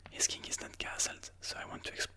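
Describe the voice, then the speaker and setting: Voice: quick pace, pushed and bright. A person whispering breathily in an ASMR style, musing aloud move by move as they comment on their own chess game.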